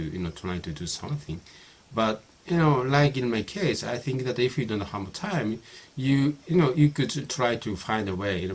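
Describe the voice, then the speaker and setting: A man's voice: fairly low pitch, breathy edge. A man in his fifties with a Japanese accent, a native Japanese speaker talking casually to his viewers, hesitant, with many fillers and restarts. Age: 50s. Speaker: YouTuber. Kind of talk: casual talk to camera.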